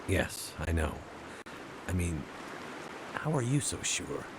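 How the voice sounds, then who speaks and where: Deep-voiced, dry survivor hero, noisy backdrop. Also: male voice, very animated, heavily acted. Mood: wary. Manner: dry, measured, skeptical. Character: world-weary, skeptical male survivor hero, dry and steady. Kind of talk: naturalistic video game acting.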